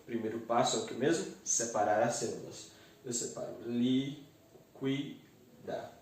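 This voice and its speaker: A man teaching grammar step by step and slowly sounding out the syllables of each word. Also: medium pitch, a little hiss or hum. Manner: methodical, spells out syllables slowly. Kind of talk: explaining grammar exercises. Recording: very echoey room, distant mic.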